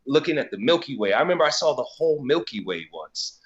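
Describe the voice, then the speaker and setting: A man's voice: medium pitch, sing-song, fast talker, highs cut off. A man from Colorado talking as a guest in a casual conversation, loose and profane, with lots of filler words and easy laughs. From Colorado, USA. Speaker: guest, DJ and business owner.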